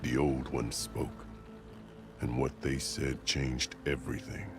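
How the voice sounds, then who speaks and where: An actor playing a stern, proud tribal warrior chief in a video game, speaking in a solemn, formal, measured way. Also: male voice, extremely low pitch, flat delivery. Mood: solemn storytelling. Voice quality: gravelly. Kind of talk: dramatic video game acting. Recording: loud music behind the voice.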